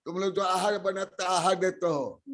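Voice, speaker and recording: A man, a monk, giving a sermon to lay listeners, questioning and scolding them with loud bursts of emphasis. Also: sits high, steady tone, moderate pace, heavy background noise. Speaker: Jain monk teaching scripture.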